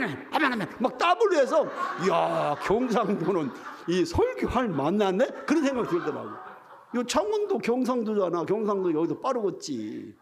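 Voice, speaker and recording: An older man, a retired pastor, preaching a revival sermon in a church and telling humorous stories straight to the congregation. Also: very high-pitched. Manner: humorous storytelling, addresses the congregation directly. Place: church sanctuary.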